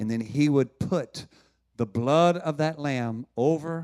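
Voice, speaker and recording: This is a man with an ordinary speaking voice, fairly high pitch and ordinary pitch variation. He talks at a fairly slow pace on a very clean recording with a silent background. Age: 60s. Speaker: preacher. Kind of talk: sermon. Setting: church service with congregation.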